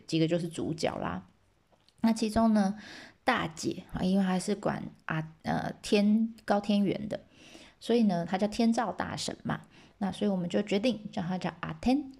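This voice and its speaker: A woman retells an old myth in a casual, playful way. She chats with her listeners and slips in asides. Her voice sits at an everyday middle pitch. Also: gravelly, dark tone. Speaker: storyteller host.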